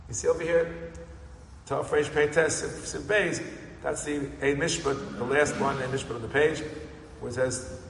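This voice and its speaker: A man with an American Yeshivish accent, teaching a Talmud class in a lively way and chanting the text he reads. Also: medium pitch. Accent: American Yeshivish English with Hebrew and Aramaic terms. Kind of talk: Talmud lecture. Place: synagogue study hall. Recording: echoey hall recording.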